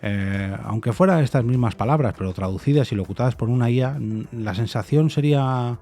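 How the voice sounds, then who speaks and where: A man's voice: medium pitch, fairly quick, dark tone, soft background music. A podcast host talking through his opinion alone, thoughtful and hesitant, often restarting and trailing off into repeated no's. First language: Spanish. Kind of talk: reflective solo opinion monologue.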